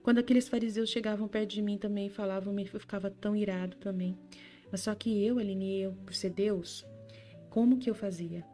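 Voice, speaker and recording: A woman speaking as Jesus, a gentle male divine figure, in a tender, reassuring way with her own voice. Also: mid-range voice, fairly even intonation, brisk, faint music behind, lightly acted. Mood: consoling. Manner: tender, reassuring, addresses listener by name.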